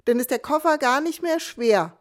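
Small sweet-natured boy, read by a woman, childlike voice, slightly raised pitch, plaintive questions, storybook reading. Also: expressive, moderate pace. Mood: cheerful.

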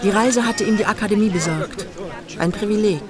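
An actress playing a dry, observant storyteller in a literary radio play, narrating in a measured, matter-of-fact way. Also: female voice, mid-range voice, very noisy, natural voice. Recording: music behind the voice.

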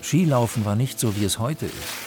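A man giving a calm, measured literary reading for a radio feature. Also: mid-range voice. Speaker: reader. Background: music.

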